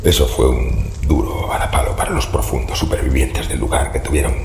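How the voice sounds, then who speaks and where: A gravelly, breathy, rasping male voice, low and rumbling with a slight mellowness and fairly steady intonation, belongs to an actor in a horror audio drama. He plays a courteous, grave, sinister older man of cursed fish-cultist descent, speaking slowly and formally in an ominous storytelling style. Faint noise and heavy echo fill the room.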